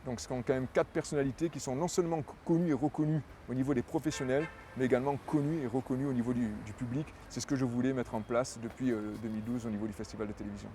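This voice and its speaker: A man's voice: mid-range voice, fairly even intonation, rapid-fire, hardly any pauses, dark tone, slight background noise. A man, a festival director, answering interview questions in a fluent, promotional way, repeating words as he thinks.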